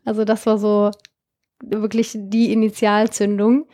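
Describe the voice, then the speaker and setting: A little slow and flat, with a warm mid-range voice, a young woman from Germany talks about the jewelry company she founded. It's a casual interview, and she answers in a chatty way with many fillers and false starts.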